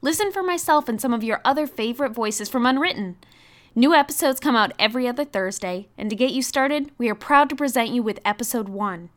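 A woman with a somewhat high voice presents a podcast. She delivers a scripted promotional announcement as one of the cast, speaking straight to the listener. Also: animated, brisk.

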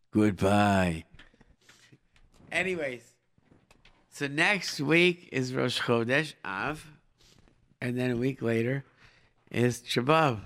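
A man's voice: mid-range voice, fairly bright tone. Middle-aged man hosting a call-in show. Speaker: radio call-in show host and advice giver. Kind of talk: conversational live call-in advice.

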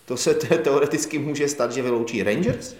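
Male interviewer, hesitant and filler-heavy, mid pitch, echoey studio. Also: darkish tone. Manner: hesitant questions, lots of fillers.

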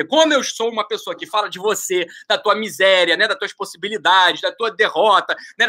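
A man's voice: extremely high pitch, bright, forceful tone. A man with a Brazilian Portuguese accent, hosting a live stream and ranting bluntly at viewers, sarcastic and swearing often. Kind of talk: blunt motivational rant.

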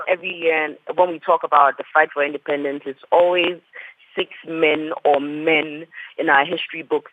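Ghanaian woman guest, fired up and indignant, husky, tinny phone sound. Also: low-pitched. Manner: impassioned, indignant. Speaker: panel guest. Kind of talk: panel discussion.

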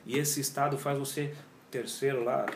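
A man's voice: mid-range voice, moderate pace, background noise. A man, a yoga teacher telling his story in a casual, slangy interview. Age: 40s. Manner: animated and slangy, often says cara and pô. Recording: roomy echo.

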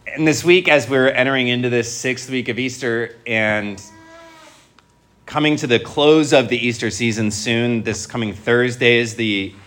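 A man speaking as a Catholic priest to a church congregation, reading scripture and preaching with measured, deliberate phrasing. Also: mid-range voice, a bit bright. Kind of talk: Gospel reading and homily to a congregation.

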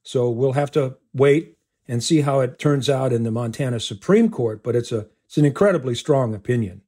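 Older male legal expert, mid-pitched voice, deliberate, methodical answers. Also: warm tone. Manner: deliberate, listing points, some restarts. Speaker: law professor guest. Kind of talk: interview answers.

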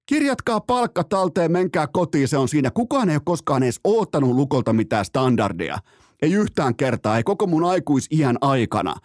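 Very animated and a little high with a darkish tone, a man hosts a sports podcast in clean, dry studio sound. His comic rant is profane and theatrically mock-outraged, with drawn-out emphatic phrasing.

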